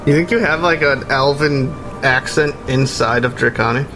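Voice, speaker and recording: A man's voice: medium pitch, normal speed, music in the background, poor audio. A man chatting casually as a player in a tabletop roleplaying game. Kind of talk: casual chat during play.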